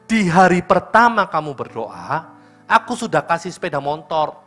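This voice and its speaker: A male pastor with an East Javanese accent voicing God in a sermon story, calm and explaining. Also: a little high, moderate pace, faint music behind.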